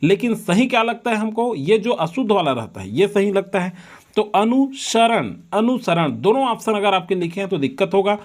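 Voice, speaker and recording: A male teacher giving an exam-prep lesson on correct spelling, slowly repeating words to drill them. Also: sits high, animated.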